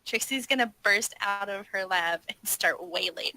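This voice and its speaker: Very bright-voiced woman player. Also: medium pitch, moderate pace, gravelly. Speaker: tabletop game player. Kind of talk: casual third-person roleplay narration.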